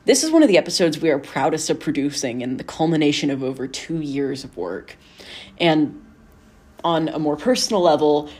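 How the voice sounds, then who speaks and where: A woman's voice: low voice, breathy edge. A woman giving a scripted introduction as the writer and co-creator of an audio drama.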